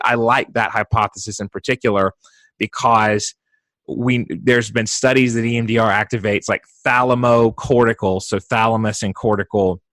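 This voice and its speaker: A man's voice: lowish voice, fairly bright tone, dry recording. A man hosting a podcast as a therapist, asking questions eagerly and explaining ideas in a casual, affirming way. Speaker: podcast host, EMDR therapist.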